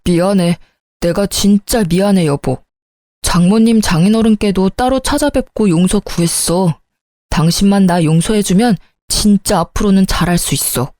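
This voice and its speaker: A woman's voice: medium pitch, warm tone, no room sound, studio quality, lightly acted. A woman voicing a remorseful young husband who begs his wife to forgive him in a coaxing tone, in a storybook reading. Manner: coaxing, begging.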